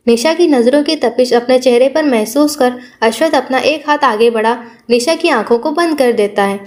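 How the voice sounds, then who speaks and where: Woman, audiobook narration, high pitch, steady storytelling.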